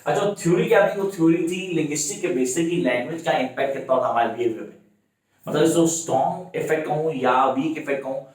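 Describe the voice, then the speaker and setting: Pitched fairly high, this tutor's voice carries an Indian English accent through a fast-paced exam-prep class. He talks straight to the students, posing questions and answering them himself. He sits far from the mic in a very reverberant room.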